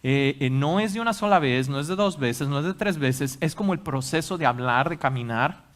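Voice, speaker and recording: Animated preacher. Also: mid-range voice, normal speed. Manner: animated, acts out quotes, asks the audience questions. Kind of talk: live sermon to a congregation. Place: church hall with a congregation.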